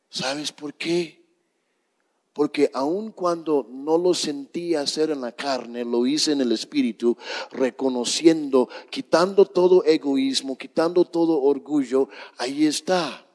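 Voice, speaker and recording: A middle-aged man, a pastor, slowly telling a story in a sermon to his congregation. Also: medium pitch, a little mellow. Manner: slow, dramatic storytelling to a congregation. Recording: long reverb of a church hall.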